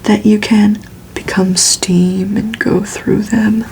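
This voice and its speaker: Woman as timid young man, hesitant questions, hushed whisper, creaky, faint noise, ASMR storybook. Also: mid-range voice, level tone, slow pace, poor audio. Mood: curious. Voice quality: breathy whisper. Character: shy, nervous, curious young male interviewer.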